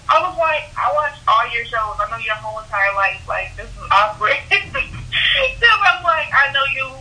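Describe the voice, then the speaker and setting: A young woman from Houston chats as a guest in a casual interview, telling animated stories with quick laughs. Her voice sits a little high and sounds very bright. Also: poor audio. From Houston, Texas. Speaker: henna artist guest.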